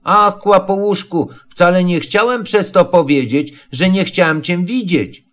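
A man voicing a kind, simple-minded teddy bear in a storybook reading, gentle and earnest. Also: sits high, a little slow, roomy sound, big-room sound, recorded from a distance, voice pushed up. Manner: gentle, earnest, sing-song.

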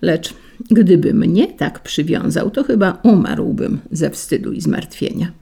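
A spiteful wind spirit from a storybook, a male troublemaker who taunts and brags, as a woman reader puts him on. The voice is low and gravelly with a husky grain. It jumps up in pitch when it gloats. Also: sing-song, measured pace, mellow, full character voice. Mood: mocking. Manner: sly and taunting, rising to bluster.

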